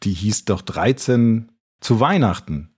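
A man co-hosting a podcast, joking and teasing himself in quick bursts. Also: lowish voice, lively intonation, husky. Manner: joking, self-mocking, talks in quick bursts. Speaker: podcast co-host. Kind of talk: casual podcast chat.

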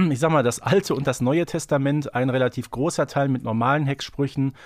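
A man's voice: mid-range voice, a little fast, no echo. A man with a mid-range voice talks as a podcast co-host in a very dry recording. He explains things casually and analytically, thinking aloud as he goes. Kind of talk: casual analytical discussion of an audio drama series.

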